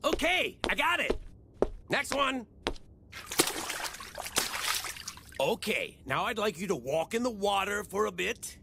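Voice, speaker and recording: An actress voicing a middle-aged, picky, eccentric sound effects artist in an anime dub, talking in a bossy, playful way. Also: female voice, mid-range voice, very animated, normal speed, creaky, very noisy. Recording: music playing under the voice.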